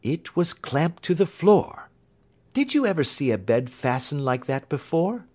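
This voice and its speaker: A man voicing a sharp-minded male detective, speaking in a crisp, explanatory manner. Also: on the high side, very animated, measured pace, voice pushed up. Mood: intense. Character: Holmes, sharp reasoning male detective, adult.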